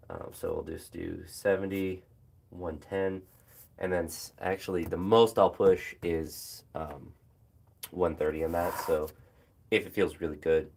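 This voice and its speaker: Deep-voiced hoarse man, halting vlog chat. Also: darkish tone. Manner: halting, many fillers and pauses. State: hoarse with phlegm, throat sore. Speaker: phys ed teacher. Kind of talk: casual vlog chat while training.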